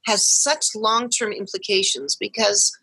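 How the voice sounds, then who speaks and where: Middle-aged woman, emphatic and reflective guest, husky dry-sounding voice. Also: medium pitch, steady tone, measured pace, bright, forceful tone, no room sound, poor audio. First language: English. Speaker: podcast guest, parent of deaf children. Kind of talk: conversational storytelling.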